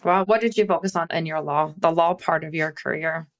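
A woman's voice: low-pitched, brisk. A woman hosting an interview, asking questions in a curious, upbeat way. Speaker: podcast host.

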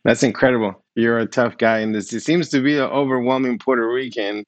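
A man's voice: medium pitch, fairly quick, no echo. Man, middle-aged, podcast host, upbeat, welcoming, dry close sound. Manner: upbeat, welcoming, asks follow-up questions. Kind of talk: friendly interview hosting.

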